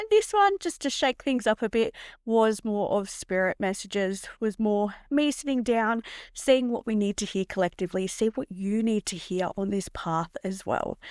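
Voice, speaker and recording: A woman's fairly high voice at a moderate pace, ordinary pitch variation, dry and close with no echo, on a very clean recording with a silent background. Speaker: spiritual medium podcast host. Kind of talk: podcast monologue.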